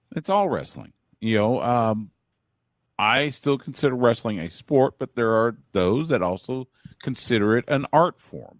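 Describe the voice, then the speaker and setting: A man with a plain, everyday voice talks at a fairly slow pace and medium pitch with lively intonation, the sound dry and close with no echo. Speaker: wrestling podcaster. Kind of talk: casual wrestling discussion.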